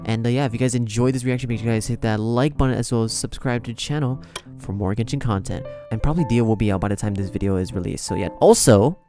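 A young man giving casual, slangy, exclamatory reaction commentary as a video host. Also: medium pitch. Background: loud game trailer music.

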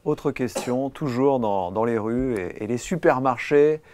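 A man's voice: mid-range voice, a little slow, darkish tone. A man hosting a TV interview in a studio, putting short prompting questions to his guest. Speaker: TV host.

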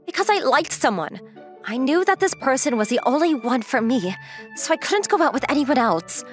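Assertive, secretly lovestruck young woman, played by an actress, lively and blunt, manga romcom over light music. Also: high voice, normal speed. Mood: defensive, bashful. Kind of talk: manga dub acting.

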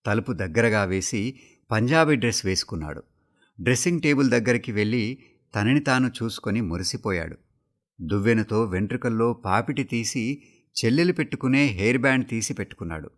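A man giving a steady, measured reading of a short story for a radio broadcast. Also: on the low side. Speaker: story reader. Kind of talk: scripted radio story narration.

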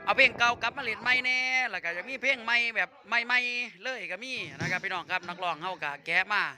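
A man's voice: high voice, quick pace, sharp tone. A man with an Isan accent chatting casually to viewers as he vlogs his band's rehearsal. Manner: chatty, addresses viewers as brothers and sisters. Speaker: band leader vlogging a rehearsal. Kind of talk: casual vlog chat. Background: band music.

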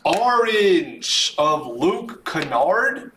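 Excitable guy doing card break commentary, drags words out slow, voice wearing a bit, echoey room w some noise. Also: on the high side. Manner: excitable, drawn-out announcing of names. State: voice starting to give out. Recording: roomy echo, background noise.

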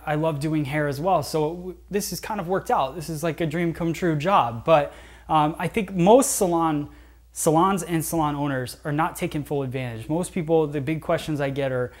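A young man, a salon owner and hairdresser, giving casual business tips to camera in a salon, chatty with many fillers and restarts. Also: fairly high pitch. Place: hair salon indoors, seated.

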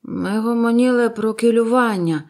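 A meek, hesitant old grey sailor who answers in short, subdued words, as a woman reader puts him on. Plain and low-key, close to the reader's own voice. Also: moderate pace, a little mellow, natural voice. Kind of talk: audiobook character voice.

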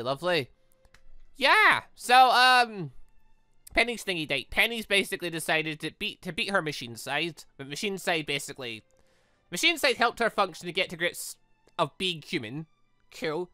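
A man giving casual, animated game commentary as he thinks aloud in a rambling, expressive way. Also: high-pitched, dry recording. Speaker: gaming channel host. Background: background music.

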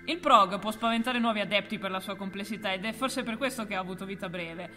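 A woman co-hosting a music history video, delivering a scripted explainer with deadpan, ironic asides. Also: mid-range voice, fast talker, long reverb tail. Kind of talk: scripted explainer with playful banter.

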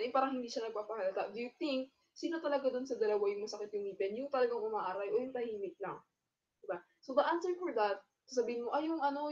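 A woman teacher with a Filipino accent lectures in a fairly high voice. She mixes Tagalog and English and tags her points with "no?". The recording sounds dull and lo-fi. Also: darkish tone. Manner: switches between Tagalog and English, keeps adding a questioning "no?".

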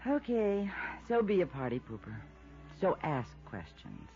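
A woman's voice: on the low side, sing-song, unhurried, dark tone. An American actress playing a wealthy, glamorous young woman, coy and evasive, in 1950s radio drama style. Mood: evasive, sulky. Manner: coy, teasing, languid. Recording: dull vintage radio recording, faint music.

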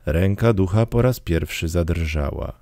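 A man reads a classic story aloud in measured, dramatic narration. His voice sits low, with a gravelly rasp and a mellow, dark tone. Recorded close and dry, with no room sound. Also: animated, dry recording. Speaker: audiobook narrator. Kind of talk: scripted narration.

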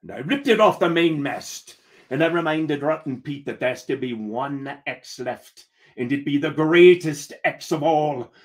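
A man telling a comic first-person pirate tale in a deliberate, theatrical manner. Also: a little high. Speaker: storyteller.

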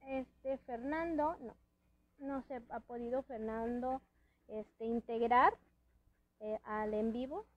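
A woman's voice: fairly high pitch, slow, highs cut off. A woman hosting a casual live-stream chat from a friend's house, rambling with many restarts and little laughs, her speech a bit hampered by a dental palate. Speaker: host.

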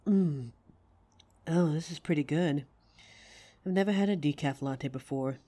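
A woman voicing a gentle young female werewolf girlfriend in an audio roleplay, speaking tenderly and slowly through a grounding exercise. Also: sits low. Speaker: voice actor.

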